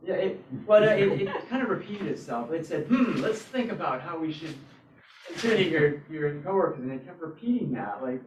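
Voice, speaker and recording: Male club presenter, casual and halting, thinking aloud, recorded roomy and off-mic. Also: on the high side, expressive, slight background noise. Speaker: presenter at a robotics club meetup. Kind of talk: casual live software demo. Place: indoor hybrid club meeting, away from mic. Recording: roomy, distant, dull meeting-room sound.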